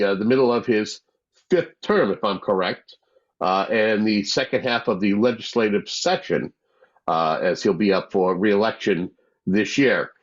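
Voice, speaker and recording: A man hosting a community cable talk show, introducing his guest in a conversational, filler-heavy way. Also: on the low side. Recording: dull lo-fi sound.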